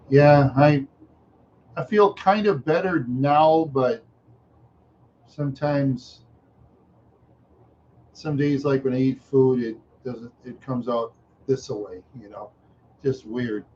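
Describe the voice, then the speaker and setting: An older man chatting in a slow, rambling way on a livestream, repeating "yeah" and chuckling often, tired and unwell. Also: mid-range voice, darkish tone. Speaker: livestream host. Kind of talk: rambling casual livestream chat. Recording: dull lo-fi stream audio with faint noise.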